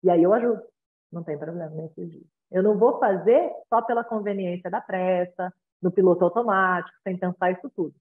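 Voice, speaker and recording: A woman's voice: on the low side, a little fast. A woman with a Brazilian accent, a parenting consultant advising parents in a conversational way, often checking in with tag questions and acting out little exchanges between parent and child. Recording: tinny phone-like line.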